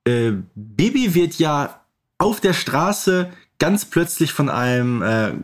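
A man's voice: on the high side, sing-song, takes it slowly. A man co-hosting a casual podcast, telling things in a hesitant, playfully opinionated way. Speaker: podcast co-host.

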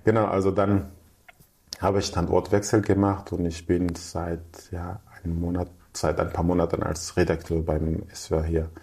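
A young Syrian man chats casually as an interview guest, speaking German fluently though not natively, restarting often and acting out the people he quotes. His low voice is gravelly and warm, with little pitch movement at a normal speed.

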